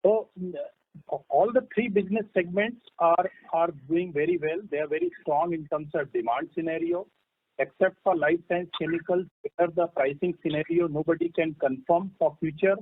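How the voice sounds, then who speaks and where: A man with an Indian accent, a company executive giving measured answers to analysts on a conference call. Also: high voice, lively intonation, no echo. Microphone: phone conference line. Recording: narrowband phone conference line.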